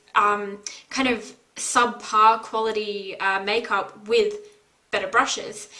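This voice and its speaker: A woman's fairly high, monotone voice with flat intonation at a fairly slow pace. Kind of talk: beauty product review to camera. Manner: casual, hesitant with fillers.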